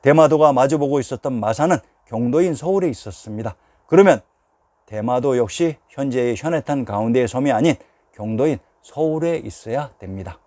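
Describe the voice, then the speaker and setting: Mellow-voiced man narrating a history lecture. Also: mid-range voice, lively intonation, no room sound. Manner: measured, addresses viewers with rhetorical questions.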